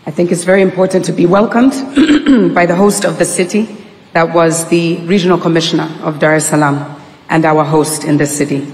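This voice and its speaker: An emcee making polite, formal introductions of speakers at a conference. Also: medium pitch. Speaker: master of ceremonies. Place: large conference hall. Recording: long reverb of a conference hall.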